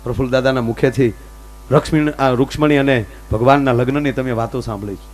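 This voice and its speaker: A man's voice: mid-range voice, quick pace, a little hiss or hum. A man telling folk comedy stories on stage. He acts out both sides of each conversation. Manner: animated storytelling, acts out both sides of dialogues. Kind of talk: Gujarati stage comedy storytelling.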